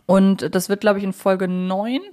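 A woman's voice: medium pitch, level tone, unhurried, warm tone. A woman hosts a podcast in a casual, conversational way. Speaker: podcast host.

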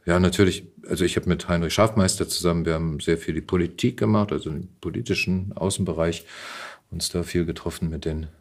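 A middle-aged man talking casually as a guest in an interview, recounting his experiences in a conversational way. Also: rumbling low. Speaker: podcast guest, actor and voice actor.

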